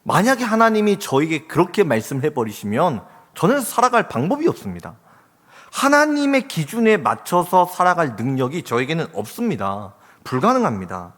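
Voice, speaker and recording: A man's voice: a little high, big pitch swings, moderate pace, a bit bright. Man preaching in an echoing hall. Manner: earnest storytelling, acting out voices of his daughter and Jesus. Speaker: pastor. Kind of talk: sermon. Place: church sanctuary. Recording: long reverb of a church hall.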